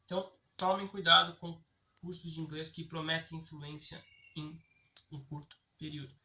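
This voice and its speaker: Bright-voiced Brazilian man explaining casually. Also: a little high, flat delivery, normal speed, a little hiss or hum. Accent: Brazilian Portuguese. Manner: chatty, often checks in with the viewer. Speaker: English teaching YouTuber.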